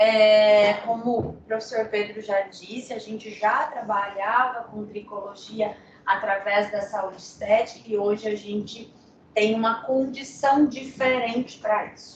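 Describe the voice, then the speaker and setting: Over noticeable background noise, a woman with a slight Minas Gerais accent talks fairly slowly at a fairly high pitch, her intonation fairly even but her loudness swinging widely. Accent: slight Minas Gerais (mineiro) tinge. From São Paulo state, Brazil. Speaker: pharmacist and trichology lecturer. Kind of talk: lecture. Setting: lecture hall with audience, livestreamed.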